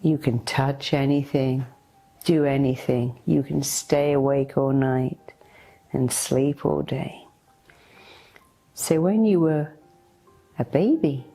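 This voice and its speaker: A woman guides a meditation in a very deep, mellow voice. She gives soothing, deliberate instructions straight to the listener, in the manner of a hypnotherapist. Music plays behind her. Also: creaky.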